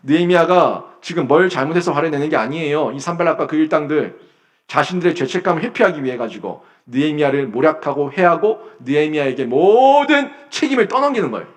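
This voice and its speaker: A man from South Korea preaching a church sermon, emphatic, rising to loud bursts and then dropping low. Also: lively intonation, fairly quick. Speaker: pastor. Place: church sanctuary.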